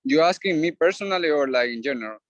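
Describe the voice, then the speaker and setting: A young man whose first language is Spanish, a student sharing his story on a video call, speaking haltingly with many fillers and restarts. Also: a little high, animated, no echo, highs cut off. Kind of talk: casual sharing on a video meeting. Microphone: video call, camera off.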